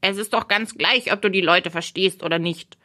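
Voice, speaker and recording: A woman's voice: medium pitch, moderate pace, sharp tone, natural voice. A woman voicing a blunt, provocative male bird in an audiobook, questioning and challenging the heroine. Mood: lecturing. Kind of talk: audiobook role reading.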